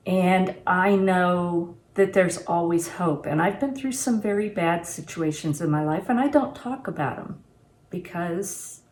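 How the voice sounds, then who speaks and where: Woman, sixties, slightly low pitch, slow pace, casual vlog talk, reflective, plain-spoken, home kitchen. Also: a little mellow. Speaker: homesteading vlogger reviewing gear and giving advice. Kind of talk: casual unscripted talk to camera.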